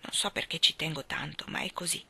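A woman's voice: low-pitched, steady tone, brisk, gravelly, sharp tone, breathy edge, pitched below the performer's own voice, exaggerated voice. A woman reading aloud, voicing a bitter, lonely young woman who speaks in anguished outbursts. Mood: hesitant. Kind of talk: audiobook character reading.

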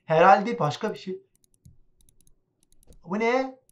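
Excitable gaming commentary, muffled audio. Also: male voice, high-pitched, slow. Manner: chatty, excitable, talks to viewers and game characters. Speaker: gaming channel host. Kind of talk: casual let's-play commentary.

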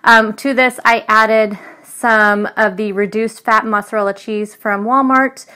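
A woman's voice: on the high side, fairly even intonation, measured pace, sharp tone, clean tone. Woman vlogger, casual meal-prep voice-over, chatty, loose, some ums. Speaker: food vlogger. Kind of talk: casual voice-over narration of cooking.

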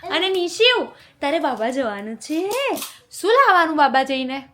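A woman's voice: high-pitched, sing-song, moderate pace, pushed and bright. A young woman who is a mother, chatting playfully at home and coaxing her toddler in a sing-song baby-talk manner. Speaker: mother and family vlogger. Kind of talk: casual family chat with a toddler.

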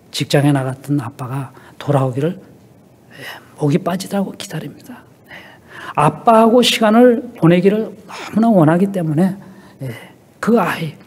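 A middle-aged man preaching a sermon in a church, telling stories and often dropping a soft "yes" between phrases. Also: on the high side, husky. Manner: peppers speech with a soft affirming "yes". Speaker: pastor. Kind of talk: sermon with storytelling.

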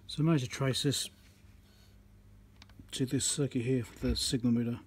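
A man's voice: mid-range voice, fairly even intonation, moderate pace, a little hiss or hum. A man giving casual commentary as he repairs electronics, thinking aloud as he works at a workbench. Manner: muttering, thinking aloud while working.

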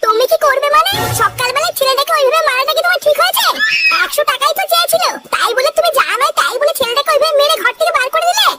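A voice actor playing a worried village mother in a cartoon, shrill and insistent with her husband. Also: fast, very noisy. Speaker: cartoon character.

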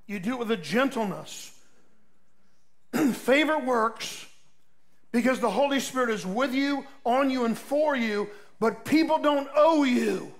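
High-voiced man preaching a folksy sermon. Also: a little slow. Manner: folksy, storytelling, emphatic with sudden loud peaks and soft drops. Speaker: pastor.

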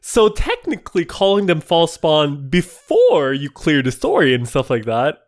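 A man hosting a podcast, chatting casually and answering questions with animated delivery. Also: a little high, a little slow. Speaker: podcast host.

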